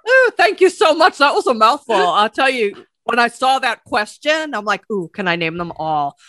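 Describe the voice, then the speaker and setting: A woman from Buffalo, New York, a guest chatting casually as a cat behavior expert, lively and laughing easily. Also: a little high, normal speed, no room sound. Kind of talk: casual chat.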